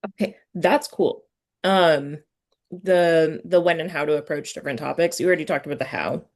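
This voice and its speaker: Female interviewer with a low voice; relaxed conversational hosting, informal phrasing. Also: moderate pace. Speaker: interviewer, host.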